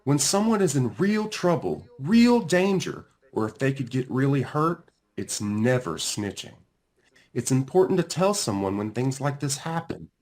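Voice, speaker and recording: A man voicing a kindly, reassuring school counselor in a storybook, measured and encouraging. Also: medium pitch, very animated, a little mellow.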